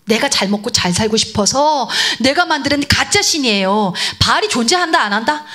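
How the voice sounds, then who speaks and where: A woman preaching to children in an animated storytelling sermon, asking the audience questions and answering them herself. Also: on the high side, brisk.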